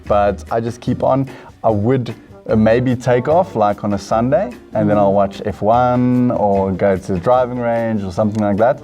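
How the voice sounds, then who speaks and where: A man's voice: on the low side, steady tone, normal speed, mellow, soft background music. A South African man hosting a game show in a casual, easygoing, chatty way.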